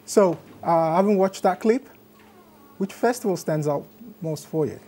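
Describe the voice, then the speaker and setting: A woman hosting a studio show, asking questions in a relaxed, measured way. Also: on the low side, a little hiss or hum. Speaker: studio host.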